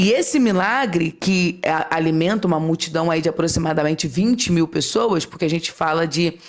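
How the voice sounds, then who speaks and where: Barely pausing, a woman with a fairly low pitch keeps her loudness very even and her pitch variation ordinary. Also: moderate pace. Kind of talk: devotional talk. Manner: clear diction.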